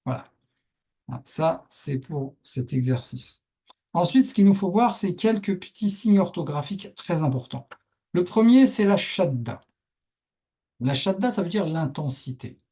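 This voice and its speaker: A man's voice: on the high side, lively intonation, a little slow, mellow, slightly rough. A male Arabic teacher patiently explaining a lesson step by step over on-screen writing, with frequent verbal check-ins to his students.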